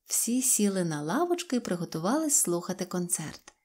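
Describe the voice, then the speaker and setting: A woman reading a children's fairy tale aloud with gentle, expressive storytelling. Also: fairly low pitch, normal speed. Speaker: audiobook reader. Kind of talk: fairy-tale audiobook narration.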